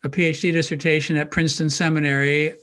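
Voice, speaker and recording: Man, 60s, from Maryland, scholarly podcast guest; slightly high voice, unhurried, thinking aloud. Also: level tone, fairly bright tone. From Maryland, United States. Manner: thoughtful, measured, with frequent restarts and ums. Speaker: guest, New Testament professor. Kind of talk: conversational podcast interview.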